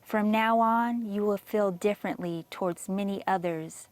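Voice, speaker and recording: A woman reading a scripted guided meditation in a measured, soothing manner with long pauses. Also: medium pitch, no echo.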